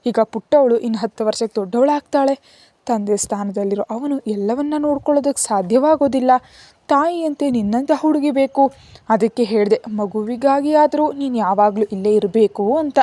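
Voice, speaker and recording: Kind elderly grandfather, read by a woman, gentle and fond, fairly high mellow voice. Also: normal speed, no echo, close to an everyday voice.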